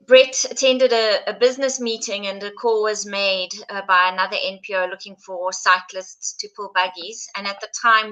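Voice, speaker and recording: A woman, a mother, answering radio interview questions in a steady, measured way. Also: mid-range voice, lo-fi sound. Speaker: guest, mother.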